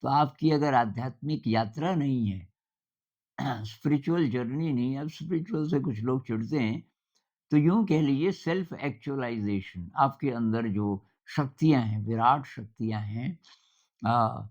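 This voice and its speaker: An older man talks informally at a middle pitch, in a conversational, storytelling manner with thoughtful pauses. The recording sounds somewhat dull and lo-fi. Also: a little mellow. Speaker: speaker giving a talk on simplicity. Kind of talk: informal spoken talk.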